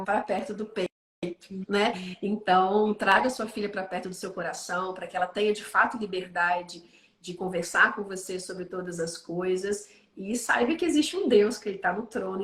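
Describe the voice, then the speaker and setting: A woman giving conversational Christian parenting teaching, telling stories animatedly and tagging sentences with quick questions. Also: medium pitch. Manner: animated storytelling, frequent "né?" tags. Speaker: guest speaker on Christian parenting. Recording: roomy echo.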